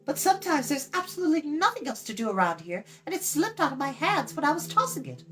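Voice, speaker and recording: A woman's voice: sits high, sing-song, fast talker, fairly bright tone, soft background music, voice pushed up. A woman voicing a chatty, blunt young girl in a fantasy storybook, in a light, musical voice with a breezy manner. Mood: polite, defensive. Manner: breezy, talkative, matter-of-fact. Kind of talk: children's fantasy storybook reading.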